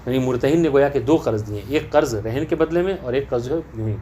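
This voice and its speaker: A man with a mid-range, dark-toned voice teaches a class on religious law to students in the room. He explains a text and often uses rhetorical questions to check that everyone is following. A little hiss or hum runs under the recording.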